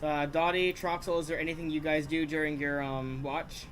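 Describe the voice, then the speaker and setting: A man running a tabletop game as game master, relaxed and quick to laugh while calling for dice rolls. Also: fairly high pitch, faint music behind. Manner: relaxed, laughs often, asks players for rolls.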